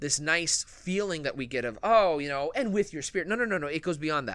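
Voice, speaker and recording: On a very clean recording with a silent background, a man with a fairly high voice talks at a fairly quick pace with very wide pitch swings. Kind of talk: casual chat. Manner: fast when excited.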